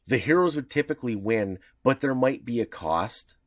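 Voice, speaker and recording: A man's voice: medium pitch, lively intonation, normal speed, dry recording. A man co-hosting a podcast, chatting casually about comics history, rambling with lots of fillers and restarts. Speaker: podcast co-host.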